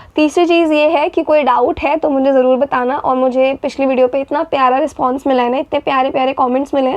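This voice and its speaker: Against noticeable background noise, a woman speaks at a high pitch with fairly even intonation. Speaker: exam-prep educator. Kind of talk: lecture.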